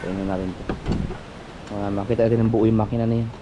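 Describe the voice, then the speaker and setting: A man's voice: lowish voice, little pitch movement, quick pace, noisy background. A man talking casually about his boats and engines, bantering with neighbors. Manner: chatty, playful teasing with a child. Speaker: fisherman vlogger. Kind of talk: casual vlog chat. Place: outdoors by the sea.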